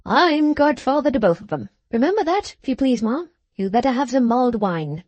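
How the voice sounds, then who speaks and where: A woman reading an audiobook, voicing an impetuous, bossy older gentleman who talks in abrupt commands. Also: high voice, very animated, fairly quick, dry recording, pitched above the performer's own voice. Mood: brusque. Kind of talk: audiobook character voice.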